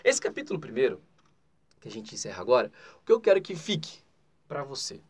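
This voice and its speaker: A man's voice: medium pitch, big pitch swings, a little fast, husky. A man with a Brazilian Portuguese accent giving a grammar lesson in an explanatory way, often adding "né?" and leaning hard on key terms. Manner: explanatory, with frequent "né?" asides and spoken emphasis. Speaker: teacher.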